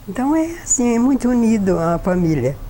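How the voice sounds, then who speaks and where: Speaking at a fairly slow pace, a woman makes very wide pitch swings over noticeable background noise. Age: 80s+. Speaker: retired schoolteacher. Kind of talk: family testimony. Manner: halting, with repetitions.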